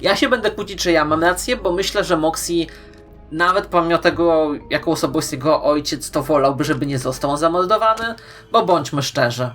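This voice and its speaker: A woman presents fan commentary straight to her viewers. Her voice sits fairly low for a woman, and she talks playfully with strong emphasis and dramatic pauses. Soft music runs faintly behind her. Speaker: YouTube host.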